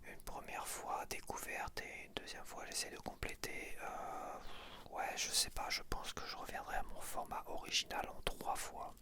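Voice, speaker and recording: An ASMR creator sorts stickers at home under softbox lighting, keeping to a gentle, unvoiced whisper throughout as he chats and counts slowly aloud.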